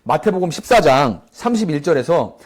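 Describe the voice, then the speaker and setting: A man preaches a Sunday sermon in a high, expressive voice that rises and falls widely. He tells the story with animation and keeps asking his listeners questions. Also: moderate pace. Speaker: pastor.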